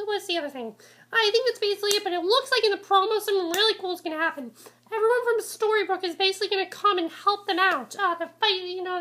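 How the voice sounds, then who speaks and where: A woman's voice: very high-pitched, bright, forceful tone, a little hiss or hum. A woman casually reviewing a TV episode, congested from a cold, rambling with many ums and restarts.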